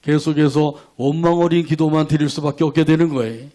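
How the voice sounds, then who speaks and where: A man's voice: fairly high pitch, steady tone, brisk, warm tone. A man preaching a sermon as pastor, asking the congregation rhetorical questions and leading them in repeating scripture line by line. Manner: leads congregation in call-and-response verse reading; asks rhetorical questions, acts out quoted prayers.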